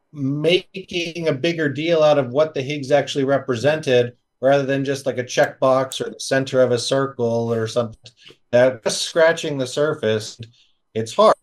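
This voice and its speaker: A man talking as a guest physicist in an interview, explaining in an earnest way. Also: medium pitch. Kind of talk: casual interview talk.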